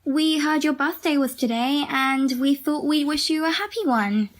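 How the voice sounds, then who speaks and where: A woman's voice: high-pitched, moderate pace, close to an everyday voice. A woman playing a scheming, cautious young twin sister in an audio drama. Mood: feigned friendliness. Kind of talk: hobby audio drama acting.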